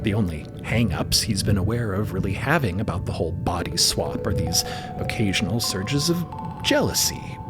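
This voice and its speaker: Low, animated male storyteller. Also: moderate pace, music in the background. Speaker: narrator. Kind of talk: scripted dramatic narration.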